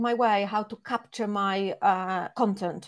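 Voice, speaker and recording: Against a quiet background, a woman with a Polish accent speaks at a very slow pace. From Poland. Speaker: gardening author and video creator. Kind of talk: interview. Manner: hesitant, many fillers.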